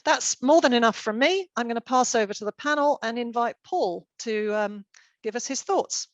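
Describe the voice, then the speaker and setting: A woman's voice: on the high side, moderate pace, no echo. A woman chairing an online panel event, giving formal, orderly introductions over a video call.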